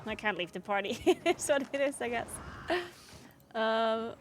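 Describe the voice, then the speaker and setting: Woman, game streamer, fairly high voice, relaxed chatty delivery, lots of fillers. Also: moderate pace, soft background music. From South Tyrol, Italy. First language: German. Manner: chatty, answers chat, frequent "like" fillers. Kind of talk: casual chat while gaming.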